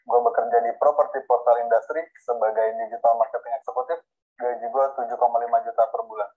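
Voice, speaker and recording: A man in his twenties giving a quick, matter-of-fact scripted statement to camera. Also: mid-range voice, creaky. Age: 20s. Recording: tinny phone-like video playback.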